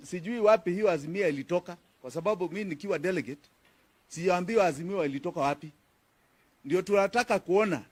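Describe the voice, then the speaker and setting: Firm Kenyan man at a press conference. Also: high-pitched. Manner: firm and emphatic, repeats key phrases. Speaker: politician answering press questions.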